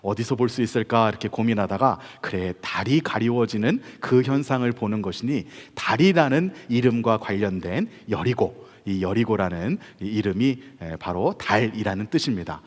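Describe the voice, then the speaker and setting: A man's voice: fairly low pitch, expressive, moderate pace, hardly any pauses. A man from Korea, a pastor, telling a story in a conversational sermon style with rhetorical questions. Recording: church hall reverb.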